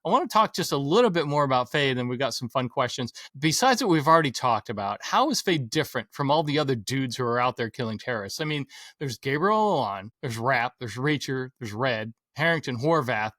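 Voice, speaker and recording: A man hosting a podcast interview, chatty and quick to laugh while telling his own stories. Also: medium pitch, very animated, fairly bright tone, no room sound, studio quality. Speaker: podcast host. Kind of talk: conversational interview.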